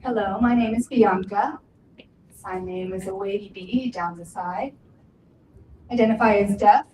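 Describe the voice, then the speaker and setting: A woman voicing deaf panelists' introductions as a sign language interpreter, speaking in measured short phrases. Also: mid-range voice, darkish tone. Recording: roomy, distant, faint ambient noise.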